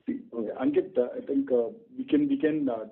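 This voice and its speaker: An Indian man answering questions on an earnings call as a bank executive, speaking in a halting, repetitive way over a conference line. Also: fairly high pitch, big pitch swings, creaky. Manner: halting, repetitive, says "you know" often. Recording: muffled band-limited conference phone line.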